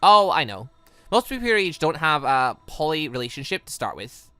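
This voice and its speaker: Smug older woman acted by a gaming host, teasing and menacing, bright tone, anime visual novel. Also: mid-range voice, sing-song, moderate pace, clean tone, dry recording. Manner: smug, playful needling.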